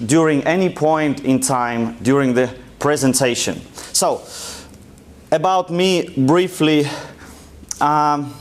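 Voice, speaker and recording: A young man from Russia with a thick Russian accent, giving a joking, loosely told presentation to an audience in a lecture room. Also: fairly high pitch. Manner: casual, joking, loose storytelling. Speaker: conference speaker. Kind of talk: live presentation talk.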